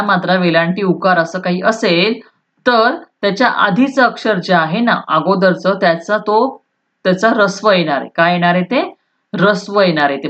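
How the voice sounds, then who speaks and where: A woman teacher with a lowish voice leads a school Marathi lesson. She walks through grammar rules patiently, repeating terms and checking that students follow, with a slight switch into Hindi now and then. The recording sounds dull and lo-fi. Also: a bit bright. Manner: explains step by step, often checks "right?", repeats key terms; switches into Hindi to restate points.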